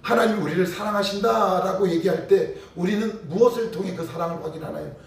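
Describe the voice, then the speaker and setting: A male pastor giving a lively sermon, asking his congregation questions and acting out little scenes. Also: high voice, fast, vocal fry. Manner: animated preaching, acting out scenes and rhetorical questions. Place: church sanctuary. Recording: very echoey church hall, voice from a distance.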